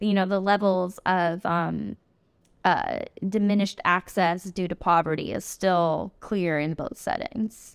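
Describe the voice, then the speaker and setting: This unremarkable speaking voice has an American accent and fairly even intonation, moving at a fairly slow pace. The recording is very clean, with a silent background. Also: woman, medium pitch for a woman. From California. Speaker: teacher. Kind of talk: interview storytelling.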